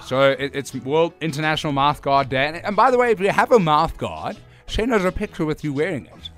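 A man's voice: on the high side, lively intonation, brisk, fairly bright tone, soft background music. A man hosting casual radio banter with a mouthguard in, lips stretched, sounding slightly muffled with a little whistle. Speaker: radio show host.

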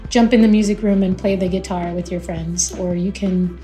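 Mellow-voiced woman born in Israel. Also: on the low side, steady tone, moderate pace, soft background music. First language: Hebrew. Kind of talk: interview soundbite.

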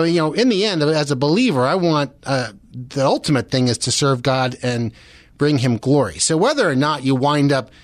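A man's voice: mid-range voice, dry recording, clean studio sound. A man hosting a Christian talk radio show, speaking conversationally in an earnest, encouraging, explanatory way. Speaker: radio host.

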